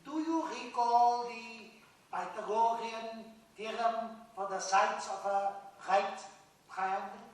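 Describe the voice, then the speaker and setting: Guy playing smug ghost of an old mathematician, stagey lecture, slow, far from mic in a boomy hall. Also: fairly even intonation. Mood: lecturing, teasing. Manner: theatrical, smug, lecturing with dramatic pauses. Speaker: stage actor. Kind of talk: dramatised play reading, monologue. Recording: echoey hall, distant mic, faint noise.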